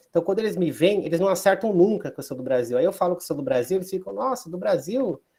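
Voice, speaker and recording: Intonation is lively and the tone dark and mellow, on a very clean recording with a silent background. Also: man. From Brazil. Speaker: commentator on Russia. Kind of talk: casual interview chat. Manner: halting.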